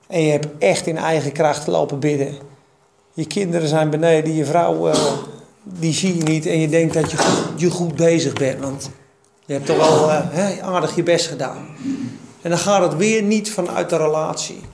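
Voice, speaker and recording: A man with a high, gravelly voice teaches the Bible to a gathered group in an easy, conversational way. He quotes verses and tells stories, restarting sentences and filling pauses as he goes. The recording is echoey, with faint background hiss. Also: steady tone. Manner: conversational, quotes scripture, many fillers and restarts. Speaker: preacher. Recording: echoey room with faint noise.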